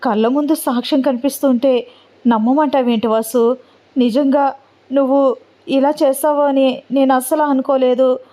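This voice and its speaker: A woman voicing a mild, placating middle-aged man who speaks gently. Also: high-pitched, fairly even intonation, normal speed, voice pushed up, natural voice. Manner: soothing, gentle.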